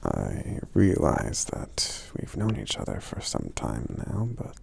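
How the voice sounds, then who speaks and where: A man playing a kindly, considerate giant friend in a soft-spoken ASMR roleplay, gentle and hesitant, murmuring with thoughtful hums in a gravelly half-whisper. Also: extremely low pitch, very animated, slow pace, a little hiss or hum, exaggerated voice. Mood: warm, sincere.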